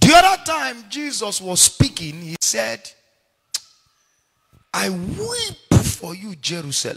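Very slowly, a man speaks. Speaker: guest preacher. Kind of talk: sermon. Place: church. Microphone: handheld.

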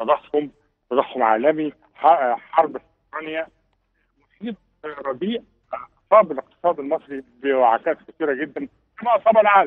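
Using lively intonation and long, frequent pauses, a man with fairly high pitch talks at a fairly slow pace. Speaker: lawyer and senator. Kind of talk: interview. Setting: phone call.

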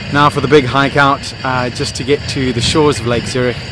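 There is noticeable background noise, and the sound is dry with no echo. A man speaks at a moderate pace in a monotone, flat intonation. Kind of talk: casual vlog chat. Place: open country. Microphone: phone near.

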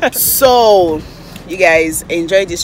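Music plays in the background while a woman speaks. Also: dry sound with no echo. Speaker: travel vlogger. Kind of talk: casual vlog chat. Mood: cheerful, chatty. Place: station. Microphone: phone near.

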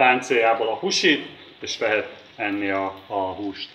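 Through loud background noise, a man talks fairly slowly with ordinary pitch variation. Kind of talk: tutorial. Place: kitchen.

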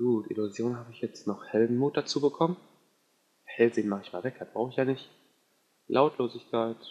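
A man speaks quietly and fairly quickly, with long, frequent pauses. His medium pitch varies in an ordinary way, while his loudness swings widely. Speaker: gaming video creator. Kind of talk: let's play commentary. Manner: previously too quiet, now trying to speak louder. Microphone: background hiss removed, sound slightly distorted.

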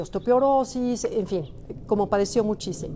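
Quick and lively, a woman speaks at a fairly high pitch with a dark, mellow tone. Light background noise sits behind her. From Mexico. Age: 60s. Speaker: lifestyle author and speaker; speaker. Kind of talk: talk to camera. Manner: conversational, informal. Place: garden. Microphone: phone near.

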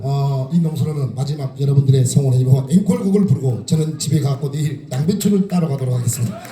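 A man with a Jeolla accent speaks at a fairly high pitch with lively intonation. Noticeable background noise can be heard. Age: young. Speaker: trot singer and farmer. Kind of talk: closing remarks to a live concert audience. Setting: outdoor live stage. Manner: playful, upbeat banter.

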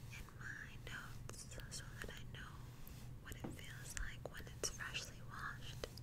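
A woman is whispering at a fairly slow pace. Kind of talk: soft-spoken role-play talk to viewer. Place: home room. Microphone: earbuds.

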